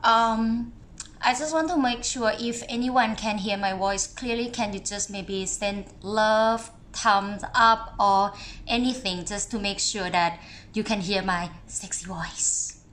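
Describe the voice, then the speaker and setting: Slow-talking woman yoga teacher. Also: mid-range voice, echoey room, a little hiss or hum. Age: 30s. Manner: chatty and relaxed, with pauses. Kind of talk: casual live-stream class talk.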